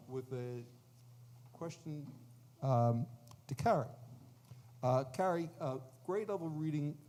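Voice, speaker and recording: Man, panel moderator, mellow dark tone, formal introductions, hesitant fillers. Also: mid-range voice. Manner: measured, with frequent fillers.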